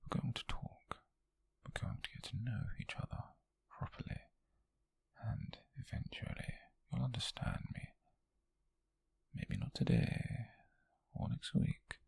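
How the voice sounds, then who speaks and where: A man playing an obsessive, lovesick captor in an intimate audio roleplay, confessing in a halting, breathy whisper, pleading yet menacing. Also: fairly low pitch, a little mellow, no room sound, exaggerated voice. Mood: menacing devotion. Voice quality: breathy, husky, gravelly whisper. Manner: slow, halting confession with sighs.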